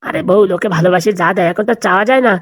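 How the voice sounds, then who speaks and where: Someone voicing a fast-talking, henpecked cartoon husband. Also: medium pitch, no echo, studio quality, lightly acted. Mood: pleading, placating. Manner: pleading, placating, mildly grumbling. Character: henpecked, pleading priest husband, meek and patient. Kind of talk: comedy cartoon dialogue.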